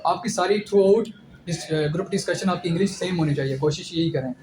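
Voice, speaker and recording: Offering advice as an ISSB candidate, a young man with a high voice delivers direct, instructive pointers in an informal lecture, speaking a little fast. Echo rings through the room, and a steady background noise sits clearly beneath him.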